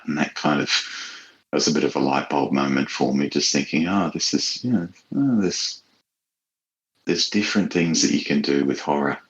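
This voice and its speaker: A man's voice: extremely low pitch, a bit bright, low-quality recording. A man chatting casually and reflectively as an interview guest, an author with a hesitant, thoughtful, modest manner.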